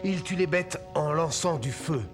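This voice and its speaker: A man's voice: on the high side, lightly acted. Solemn tribal chief acted by a man, music behind. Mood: firm, reasoning. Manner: solemn, measured. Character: grave, wise tribal chief and protective father. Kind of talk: dubbed animated film acting.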